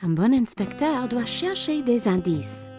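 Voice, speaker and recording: A woman voicing a gentle, reassuring young mother in a children's cartoon, speaking encouragingly. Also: a little high, sing-song, unhurried, faint music behind.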